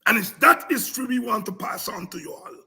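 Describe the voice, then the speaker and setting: A Guyanese man with a very husky, gravelly voice, pitched strikingly high for a man. He lectures informally and combatively, repeating points for emphasis like a programme host driving a lesson home. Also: a little fast, bright, forceful tone. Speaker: host of a politics and history talk programme. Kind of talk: impassioned informal history lecture to an audience.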